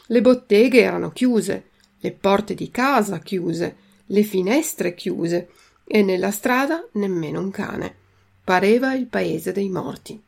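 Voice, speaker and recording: Brief: woman narrator, gravelly voice, storybook read-aloud for learners, careful diction. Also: mid-range voice. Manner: slow, careful enunciation. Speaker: reader and language teacher. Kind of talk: storybook reading with vocabulary drill.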